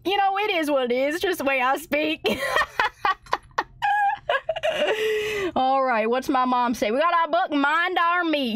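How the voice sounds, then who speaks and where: A woman's voice: high voice, a bit bright, dry recording. A woman livestreaming a game in a put-on American cowboy accent, chatting playfully in a folksy, exaggerated drawl. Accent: put-on American cowboy Western. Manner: folksy, exaggerated cowgirl drawl with mild oaths like gosh dang. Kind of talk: playful in-character game stream chat, reading game text aloud.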